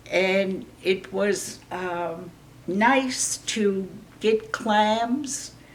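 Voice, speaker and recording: A woman speaks at a very slow pace in a medium pitch with ordinary pitch variation, with audible room echo and noticeable background noise. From Passamaquoddy community, Maine (US), near New Brunswick border. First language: Passamaquoddy. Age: 70s. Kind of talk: personal testimony. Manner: halting.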